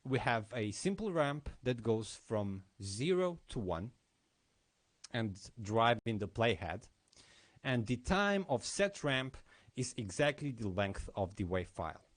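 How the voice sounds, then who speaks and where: Slow-talking man giving a technical lesson. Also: mid-range voice, very animated. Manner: explanatory, with demo commentary. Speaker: conference speaker.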